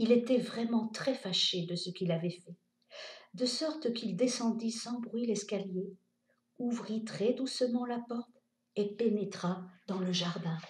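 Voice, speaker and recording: A woman talks fairly slowly, her voice pitched fairly high. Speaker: storyteller. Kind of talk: fairy tale reading.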